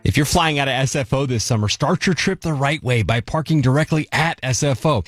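Male radio host, mid pitch, dry studio sound, relaxed ad read. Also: no room sound. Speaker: radio host reading ads.

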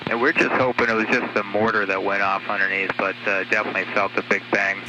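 A man's voice: on the low side, level tone, fast talker. A man, an airline pilot, making clipped calls to the tower over a cockpit radio transmission. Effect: cockpit radio transmission heard through a headset. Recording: air traffic radio with loud noise.

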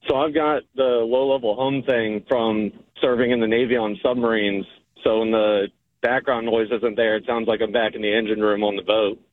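A man calling into a radio show, calmly explaining with fillers. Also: lowish voice, moderate pace, no room sound. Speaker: caller. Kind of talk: phone call-in. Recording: tinny phone line.

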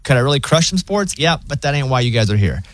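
A man's voice: medium pitch, very animated, fast talker, no room sound. Southern guy hosting radio, laid-back and jokey, mid voice, dead dry sound. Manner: laid-back, joking, plainspoken. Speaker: radio show host. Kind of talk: casual radio banter.

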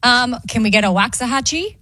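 A woman's voice: fairly high pitch, lively intonation, sharp tone, dry recording. A female radio co-host from Austin, Texas, recorded close and dry in the studio. She jumps in with short, matter-of-fact remarks during the banter. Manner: quick, matter-of-fact interjections.

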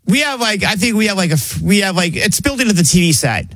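A man's voice: high-pitched, animated, quick pace, fairly bright tone, no room sound. A man who is a regular on a radio show, chatting casually and rambling through stories with many fillers. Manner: rambling, filler-heavy storytelling. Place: radio studio.

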